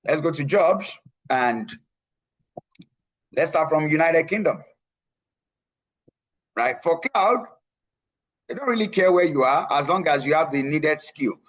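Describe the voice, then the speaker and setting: Emphatic man, slightly high voice. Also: animated, a little slow, long pauses, a bit bright, poor audio. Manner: emphatic, repeats key phrases, frequent tag "right?". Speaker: tech career coach presenting a webinar. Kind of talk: live online presentation with screen share.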